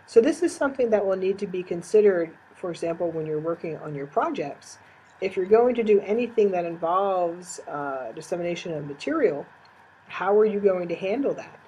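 A woman with a fairly low voice, lecturing her class. She explains things step by step, filling her pauses with small hesitations. A faint hiss sits under the recording. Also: animated, warm tone, rough recording. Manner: explanatory, with frequent fillers. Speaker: teacher.

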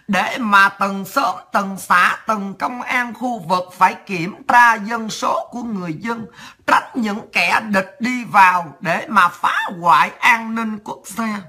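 A woman's voice: mid-range voice, pushed and bright, slightly rough. A woman with a Southern Vietnamese accent delivering a heated, sarcastic, coarse political rant as a commentator.

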